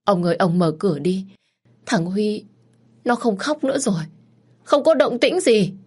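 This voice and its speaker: A woman voicing a desperate middle-aged mother who pleads and cries out, her voice climbing high and loud. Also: unhurried, breathy edge. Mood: pleading.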